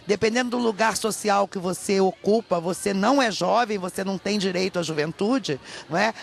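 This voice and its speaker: A middle-aged Brazilian woman, an academic guest giving emphatic, explanatory interview answers in Portuguese with rhetorical check-ins. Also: medium pitch. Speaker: academic guest, professor and author. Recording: clear ambient background noise.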